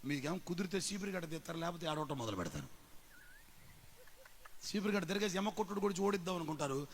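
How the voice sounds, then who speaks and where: A man preaching a sermon as a pastor, mixing in English phrases and repeatedly calling on the congregation to respond, swinging between loud preaching and soft storytelling. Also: fairly high pitch, animated, quick pace, a little hiss or hum. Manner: rousing, repetitive calls for congregation response.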